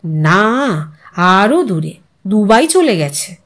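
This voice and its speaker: A woman's voice: mid-range voice, sing-song, very slow, a bit bright, pitched below the performer's own voice, heavily acted. A woman reading a story, voicing a resigned, confiding elderly widow who muses wistfully. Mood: matter-of-fact. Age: older. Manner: wistful, confiding, musing to herself. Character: Bithi, weary resigned elderly widow in old age home.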